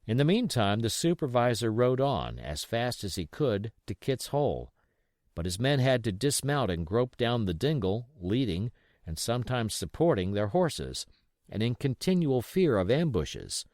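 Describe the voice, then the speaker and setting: A man narrates an adventure novel with expressive, dramatic storytelling. His middle-range voice moves widely up and down, and the recording is close and dry with no room sound. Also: medium pitch, normal speed, no room sound. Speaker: audiobook reader.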